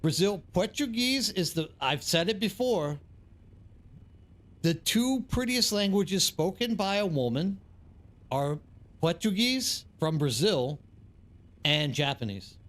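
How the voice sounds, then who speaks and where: This live streamer speaks slowly with long pauses, his high, fairly bright voice very animated. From East Texas in the United States, he chats ramblingly and casually with viewers in an American accent while gaming.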